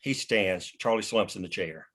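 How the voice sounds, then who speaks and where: Male narrator, lowish pitch, screenplay stage directions, table read. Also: moderate pace, fairly bright tone, husky.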